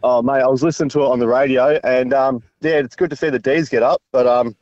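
A man's voice: medium pitch, fairly even intonation, fast talker, darkish tone, dry recording. Sex: man. Role: radio caller. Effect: heard over the phone. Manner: laconic and joking. Sound: dull line.

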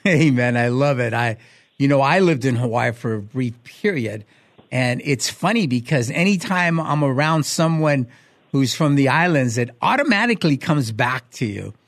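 A man's voice: mid-range voice, expressive, moderate pace, no room sound. A man hosting a Christian talk show as a pastor, upbeat and enthusiastic in casual chat. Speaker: host, pastor.

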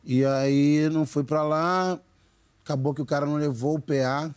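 Animated Rio man telling rambling anecdotes. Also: a little high, normal speed, smooth. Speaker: band member, guest. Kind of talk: casual storytelling in an interview.

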